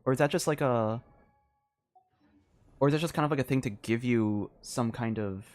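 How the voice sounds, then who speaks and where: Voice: mid-range voice, normal speed, a little mellow. A video game streamer giving casual live gameplay commentary, thinking aloud hesitantly and often trailing off mid-sentence.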